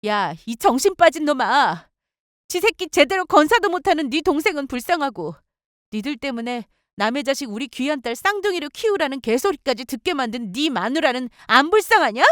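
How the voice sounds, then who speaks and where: A woman's voice: high voice, big pitch swings, moderate pace, a bit bright, dry recording, studio quality. A woman voicing a furious young new mother who scolds her in-laws sharply, in a dramatized radio story. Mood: enraged.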